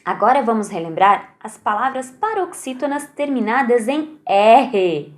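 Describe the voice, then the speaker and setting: A Brazilian woman teacher giving a recorded lesson to children, speaking slowly and stressing each word carefully. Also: fairly high pitch, very animated. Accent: Brazilian Portuguese.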